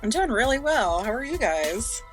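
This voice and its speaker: A woman's voice: a little high, very animated, normal speed, faint music behind, low-quality recording. A woman chatting casually as a guest on a creative podcast. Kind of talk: casual discussion.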